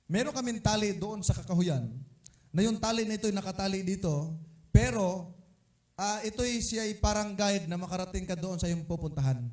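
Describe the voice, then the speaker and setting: A man preaching a sermon, telling a story with animated, sudden loud emphasis. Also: a little high. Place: church hall. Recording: echoey church room from far off.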